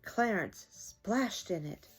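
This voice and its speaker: A woman's voice: mid-range voice, expressive, slow, husky, faint music behind. An older woman hosting a children's story time, reading aloud expressively to young listeners.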